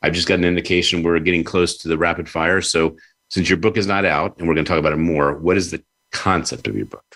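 Very deep-voiced, effusive man hosting. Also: steady tone, quick pace, a bit bright. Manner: effusive, repeats phrases. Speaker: host; publisher. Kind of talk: conversational interview.

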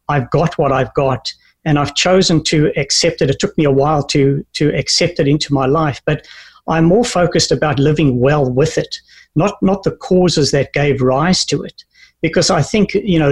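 A man in his fifties from South Africa with a South African accent, speaking earnestly and with measured restarts as an interview guest. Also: fairly high pitch, slightly rough. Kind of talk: interview conversation.

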